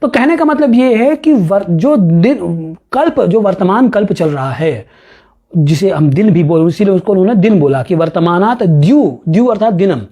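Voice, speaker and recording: A male professor giving a lecture on a classical astronomy text. He reads verses slowly, then explains them with rhetorical questions and chuckling asides. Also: sits high, animated, warm tone.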